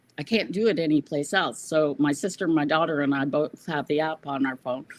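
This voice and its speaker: This woman talks at a fairly quick pace with a very deep, low pitch and a Canadian accent. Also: ordinary pitch variation. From Canada, Ottawa. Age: 60s. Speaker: graphic designer and family caregiver. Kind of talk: interview.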